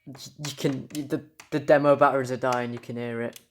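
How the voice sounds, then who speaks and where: A man's voice: medium pitch, fairly even intonation, a little fast, a little hiss or hum. A young man giving a casual, unscripted toy review, rambling enthusiastically and often repeating himself.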